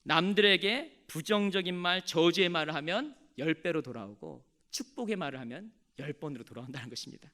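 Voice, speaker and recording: A man's voice: on the high side, animated, a little fast, few pauses, bright, forceful tone. A male pastor delivering a sermon, telling stories with animation and calling on the congregation to respond.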